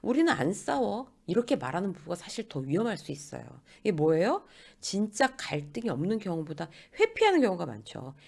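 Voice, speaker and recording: A woman giving a lecture on getting along at work. Her pitch rises and falls a great deal as she explains. She breaks into short quoted lines in changed voices to show how people talk. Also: very animated, fairly quick, vocal fry, hardly any pauses, darkish tone. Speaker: workplace relationships lecturer. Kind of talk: spoken lecture to camera.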